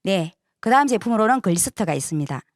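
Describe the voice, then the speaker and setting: A woman's voice: mid-range voice, sing-song, quick pace, no room sound, studio quality. A woman presenting a sales seminar to an audience, persuasive, often asking for agreement with short tag questions.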